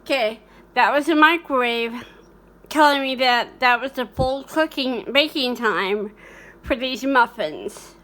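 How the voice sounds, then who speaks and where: A woman's voice: on the high side, pushed and bright. A woman hosting a home cooking vlog, chatting casually with many fillers and restarts. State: hiccuping. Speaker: cooking channel host.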